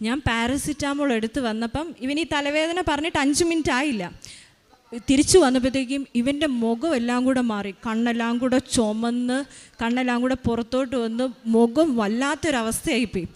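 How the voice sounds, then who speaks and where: A woman telling a personal testimony about her child, hurrying along with many fillers and restarts. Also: high-pitched. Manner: hurried, with frequent fillers and restarts. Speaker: mother giving a testimony.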